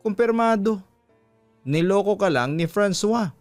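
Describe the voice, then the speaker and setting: A man's voice: sits high, unhurried, no echo, faint music behind, pitched above the performer's own voice. A man voicing a blunt, gossipy gay friend in a radio drama, asking probing questions and exclaiming. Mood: insistent.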